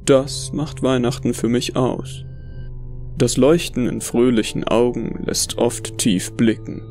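A man narrates a scripted first-person horror tale. His voice has a gravelly fry and a measured, brooding delivery. Music sits underneath. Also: medium pitch, fairly even intonation, a little mellow.

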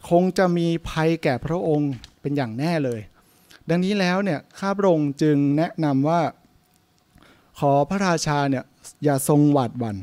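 A monk playing a bluffing court priest. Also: male voice, fairly high pitch, moderate pace, darkish tone, natural voice. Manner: reassuring, improvised bluster.

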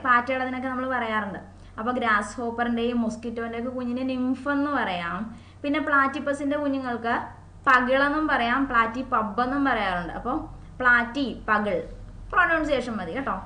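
A woman teacher giving a chatty exam-prep lesson, asking questions and answering them herself and repeating key words slowly. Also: high-pitched, pushed and bright, reverberant. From Kerala.

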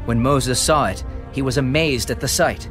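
An actor playing an impassioned early Christian preacher, solemnly recounting ancient history in a declamatory dramatized scripture reading. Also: male voice, mid-range voice, moderate pace, natural voice. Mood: solemn, earnest. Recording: studio reading over prominent background music. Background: music.

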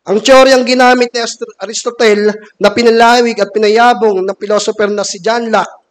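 A Filipino man in his thirties preaching a measured sermon from a wooden pulpit in a church hall, reading scripture aloud. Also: sits high, steady tone. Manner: measured, reads scripture from a laptop. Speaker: deacon preaching. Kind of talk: sermon mixing Filipino and English.

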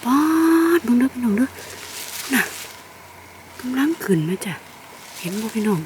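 A woman with an Isan accent vlogging in a forest, exclaiming excitedly and calling out to her viewers as she goes. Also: a little high, normal speed, noisy background. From Northeast Thailand. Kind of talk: casual foraging vlog. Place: forest outdoors.

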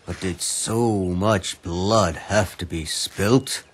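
An actor playing a gentle, wise hooded male strategist who speaks slowly and reflectively. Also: deep voice, slight background noise. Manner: slow, reflective. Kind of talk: video game cutscene.

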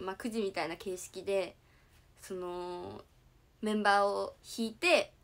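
A young woman hosting a casual livestream, bubbly and chatty as she thanks viewers for gifts. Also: medium pitch. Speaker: idol livestream host.

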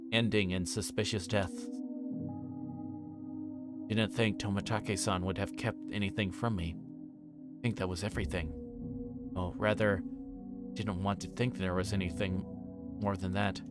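A man's voice: on the low side, level tone, moderate pace, pauses often. A man livestreaming a visual novel, reading its narration aloud and sometimes stumbling and re-reading. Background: music behind the voice.

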